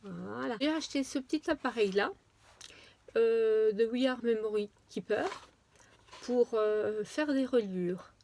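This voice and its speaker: A woman chatting casually through a craft-supply unboxing, with many pauses and fillers. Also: on the high side, creaky, darkish tone. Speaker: crafting vlogger.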